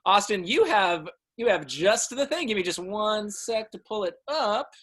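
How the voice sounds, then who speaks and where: A young man with a husky voice, casually hosting an interview over a video call. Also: sits high, lively intonation, unhurried, fairly bright tone. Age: young adult. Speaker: interview host. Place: small room at home, on video call.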